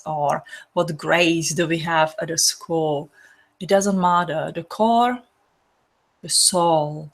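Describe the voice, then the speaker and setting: A woman with a Czech accent, her first language Czech, hosting a spiritual healing session and speaking softly and earnestly in non-native phrasing. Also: lowish voice. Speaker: spiritual healer and host. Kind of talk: gentle spiritual talk to an online audience.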